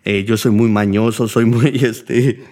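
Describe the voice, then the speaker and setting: Rambling, profane Mexican man with a lowish voice. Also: fairly even intonation, measured pace, a little mellow. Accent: Mexican Spanish. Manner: profane, rambling, heavy use of fillers. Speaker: podcast host. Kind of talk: casual monologue.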